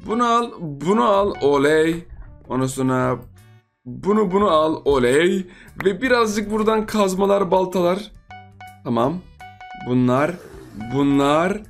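Chatty young man commentating gameplay, music behind. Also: a little high. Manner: chatty, repeats himself, teasing opponents. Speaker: gaming YouTuber.

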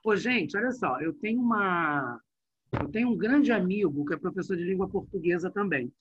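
A middle-aged male teacher, leading an online class in a lively, chatty way and talking straight to his students. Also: sits high, moderate pace, slight background noise. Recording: dull, muffled online class audio.

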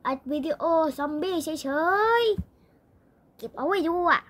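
Boastful goofy game dad, played by a young girl, extremely high and sharp. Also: lively intonation, slow pace, exaggerated voice. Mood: sheepish. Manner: boastful, playful.

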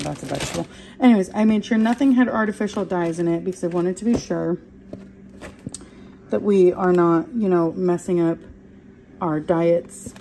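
A woman's voice: medium pitch, noisy background. Chatty woman showing off a grocery haul. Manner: chatty, rambling, self-correcting. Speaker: vlogger. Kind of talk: casual grocery haul vlog. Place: home kitchen, indoors. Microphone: phone camera held close.

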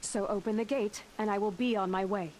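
An actress playing a resolute young tribal huntress in a video game, firm and earnest. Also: female voice, medium pitch, brisk, darkish tone, a little hiss or hum, lightly acted, rough recording. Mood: defiant, firm. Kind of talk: dramatic video game dialogue.

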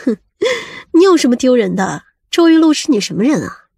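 A woman playing a sharp-tongued, suspicious woman in an audiobook, scolding and probing. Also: high-pitched, big pitch swings, a little fast, vocal fry, breathy edge, no room sound, studio quality, exaggerated voice. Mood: scornful. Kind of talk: audiobook character acting.

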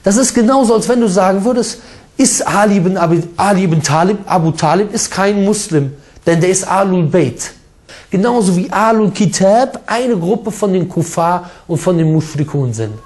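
A man preaching a sermon with emphatic, forceful delivery, mixing in Arabic recitation. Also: sits high, expressive, normal speed.

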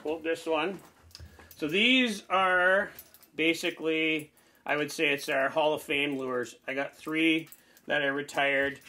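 A man's voice: on the high side, fairly even intonation, slow pace, pushed and bright. A man in his forties hosting a fishing channel, giving a casual, rambling, enthusiastic walkthrough of his lure collection in a small indoor room, close to a handheld camera. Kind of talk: casual show-and-tell walkthrough. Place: small indoor man cave packed with lures.

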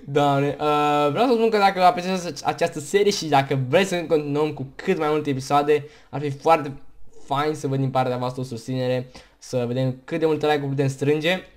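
Romanian guy rambling through a game on a headset, hiccuping, tired, kinda high voice. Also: steady tone. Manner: chatty, rambling, talks in bursts between hiccups. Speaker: gaming YouTuber. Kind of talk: casual gameplay commentary. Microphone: headset mic.

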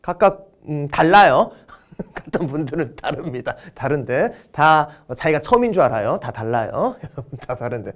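A man's voice: on the high side, very animated. A man teaching a history lecture for exam prep, joking and telling stories as he goes. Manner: joking, storytelling, drawn-out words for effect.

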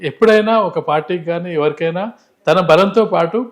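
A man's voice: a little high, brisk. A man giving unscripted political analysis in an interview, emphatic and explanatory, repeating phrases to drive points home.

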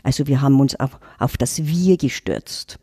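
A woman's voice: rumbling low, normal speed, warm tone, slightly rough, dry recording, clean studio sound. A middle-aged woman, reflectively telling her story on a podcast. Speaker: intercultural trainer, guest. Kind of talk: casual podcast talk.

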